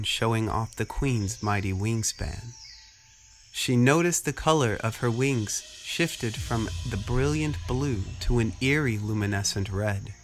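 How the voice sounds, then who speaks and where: A man giving scripted narration of a fantasy story. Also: medium pitch.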